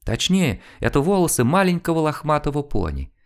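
A man reading a novel aloud as an audiobook narrator, in a measured, expressive storytelling manner. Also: fairly high pitch. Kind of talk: scripted literary narration.

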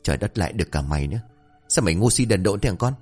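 A man's voice: deep voice, expressive, very fast, a little mellow, slightly rough, soft background music. A man voicing a frantic middle-aged village mother who scolds her son and stammers in alarm. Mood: panicked.

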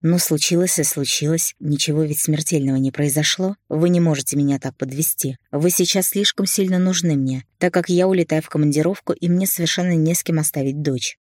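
Calm, wry businessman, read by a woman. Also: low-pitched, no echo, studio quality. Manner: calm, measured, mildly ironic. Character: busy single father, a calm and wry businessman. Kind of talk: audiobook narration.

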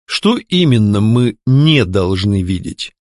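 An unhurried, ironic nobleman, as a male narrator plays him. He asks measured questions in an even voice, recorded dry and close. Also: fairly low pitch, no echo. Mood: calm. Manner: calm, slow, ironic. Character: calm, ironic nobleman, spy chief.

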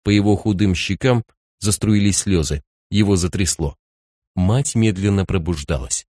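Brief: male thriller narrator, low and measured, close dry studio sound. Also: dark tone, no room sound. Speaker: audiobook narrator. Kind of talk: scripted narration.

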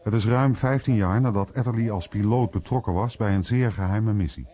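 A man's voice: on the low side, brisk, warm tone. A man reading scripted narration for a radio documentary. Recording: muffled radio recording.

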